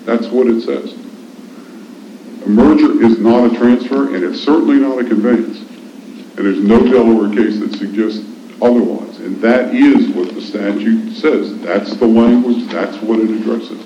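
A man's voice: medium pitch, moderate pace. An American man arguing as a lawyer in court, insistent and repeating his points for emphasis. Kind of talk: courtroom oral argument. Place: indoor courtroom. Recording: echoey, muffled courtroom recording, faint noise.

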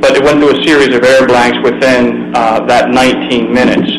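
A man speaking as a lawyer in formal oral argument before judges, halting and deferential, with long hesitations. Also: mid-range voice, flat delivery. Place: courtroom. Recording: echoey room with loud background hum.

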